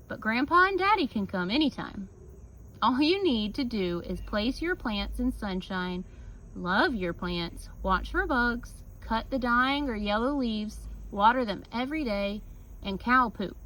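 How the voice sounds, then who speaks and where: A woman with a slightly high voice reads a children's story aloud in the manner of a teacher. She stretches key words for emphasis and drops in casual asides. There is some faint noise behind her. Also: sharp tone, poor audio. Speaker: teacher reading a picture book aloud.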